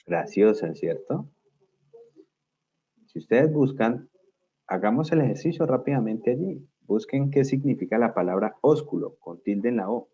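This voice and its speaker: A man's voice: medium pitch, expressive, unhurried, mellow, breathy edge. A man teaching a class, explaining step by step and often checking whether students follow. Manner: explanatory, asks students frequent check questions. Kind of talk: class lecture. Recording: dull lo-fi sound.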